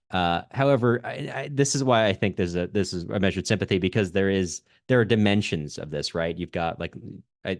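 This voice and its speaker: A man's voice: low voice, no echo, studio quality. A man hosting a podcast, giving casual literary analysis with emphatic points, frequent restarts and check-in questions. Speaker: podcast host.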